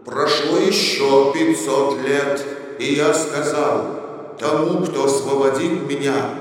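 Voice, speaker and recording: Brief: male actor as an angry giant genie in a fairy-tale audiobook, slow and looming, heavy hall reverb. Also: mid-range voice. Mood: menacing. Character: huge wrathful male genie trapped in a jug. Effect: cavernous echo on the voice. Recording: echoey, reverberant, distant-sounding.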